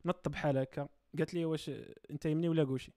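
A man's voice: on the high side, fairly even intonation, very fast, mellow, no room sound, clean studio sound. A man with a Moroccan Arabic accent chatting casually as a podcast co-host, telling jokey anecdotes and mixing in French words.

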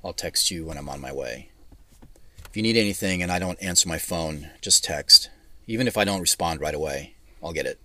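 Deep-voiced, weary tech executive. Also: male voice, sharp tone. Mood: tired, casual. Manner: measured, low-key dictation in short phrases. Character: weary male tech CEO dictating texts, polite, businesslike.

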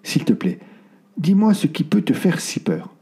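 A man's voice: on the high side, very animated, unhurried, warm tone, pitched above the performer's own voice. A man reading aloud and voicing a troubled young male doctor who hesitates, then presses for the truth. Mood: pressing.

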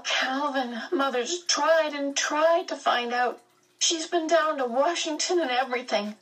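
A woman's voice: on the high side, breathy edge, far from the mic, pitched above the performer's own voice, low-quality recording. A woman reading aloud, voicing an insecure teenage girl who speaks shakily through tears. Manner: shaky, trembling over tears.

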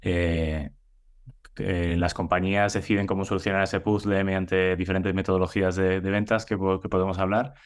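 Man with a Madrid accent, deep low voice, thoughtful, hesitant interview guest. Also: level tone. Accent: Madrid Spanish. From Madrid, Spain. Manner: measured, thoughtful, many hesitations and repeated words. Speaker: guest, head of sales. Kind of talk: interview answers.

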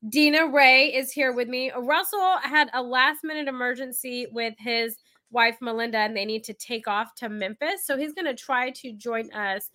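Woman, podcast host, nasal from hay fever, bright tone, chatty and upbeat. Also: a little high, moderate pace. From Texas. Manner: chatty, upbeat, many "like" fillers. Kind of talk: casual chat.

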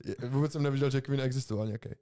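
Young podcast guy, mellow dark voice, slangy and amazed, just chatting. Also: mid-range voice. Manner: slangy, amazed, musing aloud. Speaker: podcast co-host. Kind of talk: casual chat.

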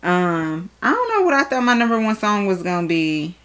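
A young adult woman co-hosts a podcast in a mid-range, clean-toned voice at a moderate pace. She chats in a relaxed, loose, conversational way, sprinkling in slang.

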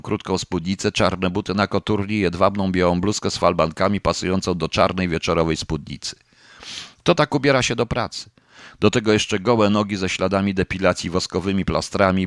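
A man reading a first-person novel aloud as an audiobook, in a measured, subdued way. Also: low voice, a bit bright, no echo, studio quality. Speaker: audiobook narrator.

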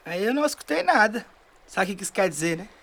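A man's voice: high-pitched, fast, vocal fry, full character voice. An actor with a rural northern Minas Gerais accent playing a folksy, superstitious male riverboat guide in an audio drama, talking colloquially. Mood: casual. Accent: Brazilian, rural northern Minas Gerais. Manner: colloquial, animated storyteller.

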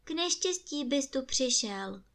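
A frightened young maiden from a fairy tale, as a woman reader puts her on, warning in a high, anxious voice. She pleads urgently. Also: lively intonation, a bit bright. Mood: fearful.

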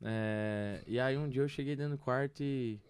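A man's voice: mid-range voice, moderate pace, a little mellow, clear, resonant tone, dry recording, studio quality. A man from Tocantins, Brazil, speaking with a Tocantins accent, a songwriter telling his story in a casual interview in an earnest, rambling way full of fillers. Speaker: songwriter guest.

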